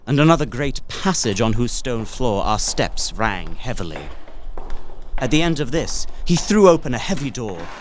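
A man's voice: mid-range voice, slight background noise. An actor playing an earnest young solicitor, narrating his journey formally in a dramatised Gothic story. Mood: composed, relieved. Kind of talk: dramatic first-person literary narration.

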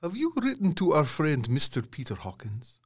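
An actor playing a courtly, menacing vampire count in an audio drama, formal and imperious. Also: male voice, on the high side, wildly swooping pitch, moderate pace, breathy edge, exaggerated voice. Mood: politely insistent. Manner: formal, imperious, over-polite.

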